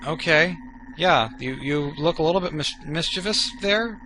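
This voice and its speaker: A man's voice: a little high, moderate pace, pushed and bright, a little hiss or hum, rough recording. A young man giving casual, goofy let's-play commentary, joking about himself and tripping over his words, recorded at home on a desk mic. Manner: goofy, self-mocking, stammering restarts. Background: video game music.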